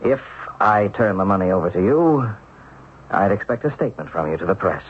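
An actor playing a wronged, determined ex-banker in a radio mystery drama, speaking earnestly and persuasively. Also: male voice, fairly low pitch, lively intonation, brisk, lightly acted. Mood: firm, insistent. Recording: muffled, noisy old radio broadcast.

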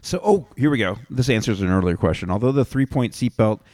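A man from Canada hosting a casual comedic podcast, deadpan, trading crude jokes and reading facts aloud. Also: medium pitch, fast talker, dry recording, studio quality. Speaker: podcast host.

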